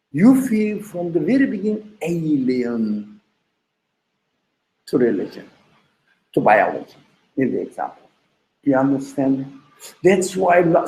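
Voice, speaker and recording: A man with a fairly high, creaky, dark-toned voice leads a class as a religious teacher, giving an informal lecture that is conversational yet didactic. He uses examples and rhetorical questions, and the room is echoey.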